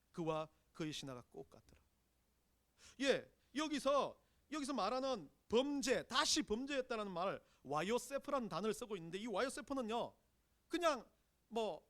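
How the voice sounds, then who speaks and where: A man's voice: sits high, fairly bright tone. A man preaching a sermon as pastor, emphatic, asking rhetorical questions and acting out quotes.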